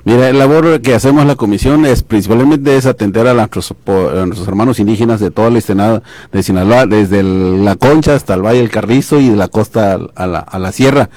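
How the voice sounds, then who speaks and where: A middle-aged man from Oaxaca whose first language is Triqui, speaking as a guest in a radio studio booth, halting with many restarts. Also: on the low side, darkish tone, no echo. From Oaxaca, Mexico. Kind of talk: casual interview talk.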